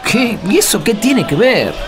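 Man acting a whiny, tired Argentine pilgrim, very animated. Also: high-pitched, unhurried, over music, a crowd in the background. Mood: whining. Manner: whiny, colloquial banter. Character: tired, complaining, teasing male pilgrim with sore feet. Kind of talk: radio play acting.

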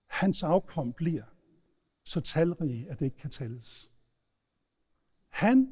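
A man preaching a sermon, retelling stories in a lively storytelling manner. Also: fairly high pitch, breathy edge. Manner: storytelling, animated retelling with shouted quotes. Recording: long hall reverb.

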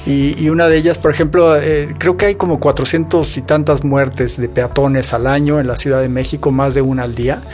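A man's voice: a little high, level tone, fairly quick, hardly any pauses, darkish tone, faint music behind. A man, co-hosting a podcast in casual conversation, chatty with joking asides. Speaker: podcast co-host.

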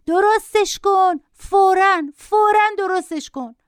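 A woman voicing a shrill spoiled little boy. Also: dry recording, clean studio sound. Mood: shrieking. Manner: shrill demanding whining. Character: whiny spoiled little boy screaming for his tablet.

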